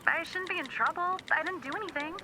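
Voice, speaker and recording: A woman's voice: very high-pitched, fast. A woman playing a wry, slightly puzzled teenage student in an audio drama, against a noisy ambient background.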